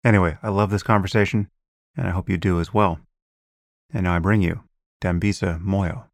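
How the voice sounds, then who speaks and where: A man hosting a podcast, reading a measured introduction and then interviewing his guest. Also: low voice, steady tone. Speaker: podcast host.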